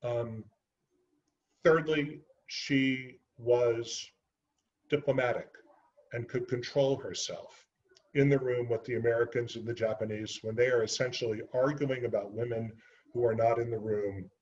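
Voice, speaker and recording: A man's voice: medium pitch, fairly even intonation, a little slow, a little mellow, highs cut off, slight background noise. A man giving an author talk, speaking earnestly and unhurriedly about his book, with frequent ums and uhs. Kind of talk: library author presentation.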